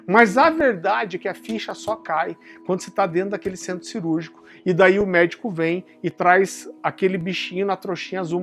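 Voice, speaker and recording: A man with a Brazilian Portuguese accent preaching a sermon, telling warm family stories that he turns to a solemn point, often calling his listeners brother. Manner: drops low and soft for solemn points. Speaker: pastor.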